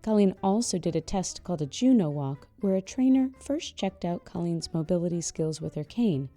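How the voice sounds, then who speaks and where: A woman narrating a podcast in a calm, measured, scripted way. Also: on the low side, faint music behind.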